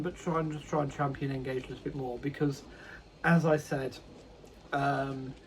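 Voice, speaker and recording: A man's voice: medium pitch, darkish tone, slight background noise, low-quality recording. A man casually vlogging about his model railway hobby, rambling and correcting himself with many ums. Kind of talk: casual unboxing chat.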